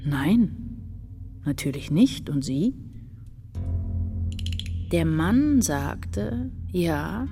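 An actress playing a reflective woman narrator who recounts a memory in a grave, deliberate, hushed way, in a literary radio drama. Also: on the low side, big pitch swings, faint music behind, full character voice. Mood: grave, haunted.

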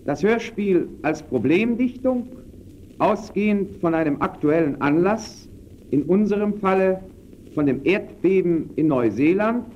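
A man presenting in a measured, formal, declamatory old radio announcing style. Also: sits high, lively intonation, a little mellow. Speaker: presenter of radio play examples. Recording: muffled old radio recording, faint noise.

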